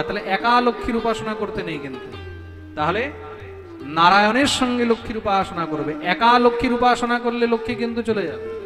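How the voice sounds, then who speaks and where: High-voiced man preaching in echoing hall. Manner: calls on listeners, repeats questions, chants Sanskrit slowly. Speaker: Bhagwat preacher. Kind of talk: devotional discourse with chanted verses.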